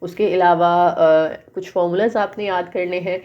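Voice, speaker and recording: A woman's voice: lowish voice, steady tone, lo-fi sound. A woman tutor with a Pakistani Urdu accent, explaining quiz answers step by step and often checking in with her students. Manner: explanatory, reads English questions slowly then explains; frequent check-ins like "okay". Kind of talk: quiz solution walkthrough.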